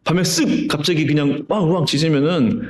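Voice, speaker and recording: Conversational pastor in a roomy sanctuary. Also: male voice, fairly high pitch, moderate pace, darkish tone. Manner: conversational storytelling with rhetorical questions. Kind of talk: sermon. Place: church sanctuary. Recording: roomy church reverb.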